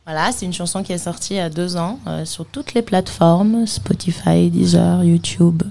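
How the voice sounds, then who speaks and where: A woman's voice: lowish voice, moderate pace, creaky, warm tone. A woman with a slight accent, a singer guest on radio, speaking hesitantly with many fillers. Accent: slight foreign accent. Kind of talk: radio interview.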